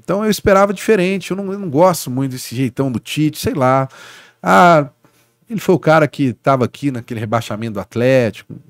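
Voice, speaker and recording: A lively Brazilian man chatting on a podcast, his pitch leaping around as he tells stories. His voice sits a touch high for a man and sounds close and dry. He peppers his talk with quick asides. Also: dry recording. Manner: animated storyteller, frequent "né, cara" tags. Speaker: guest sports journalist. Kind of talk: casual podcast chat.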